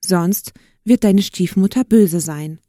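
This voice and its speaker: Two caring white birds from a fairy-tale storybook, read out by a woman, giving a firm, kindly warning. The reading is slow and warm, recorded dry and close. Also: lowish voice, dry recording.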